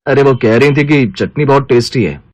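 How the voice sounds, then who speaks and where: A man voicing a gentle, polite young husband in a cartoon. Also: medium pitch, a little fast, no echo, close to an everyday voice. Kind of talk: cartoon voice acting.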